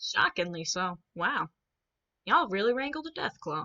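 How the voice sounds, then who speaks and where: Putting on a character voice, a woman drawls at a moderate pace and medium pitch in a Western US accent. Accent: folksy Western drawl. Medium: actual play. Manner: folksy, friendly, drawling.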